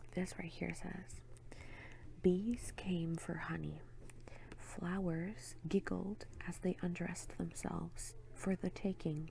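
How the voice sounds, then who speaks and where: Very slow, soft-spoken speech from a woman. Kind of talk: poetry reading. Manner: soft-spoken, quiet.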